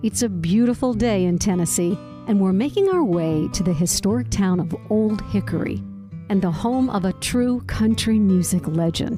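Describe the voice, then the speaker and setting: A woman at a moderate pace with very even loudness, music in the background. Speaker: podcast host. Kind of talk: interview questions.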